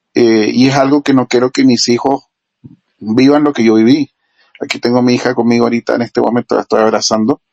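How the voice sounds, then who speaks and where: Very fast and monotone with flat intonation, a man with a Chilean accent speaks at medium pitch and very even loudness, the sound dry and close with no echo. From Nicaragua. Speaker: panelist, Nicaraguan exile. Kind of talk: panel discussion, personal testimony.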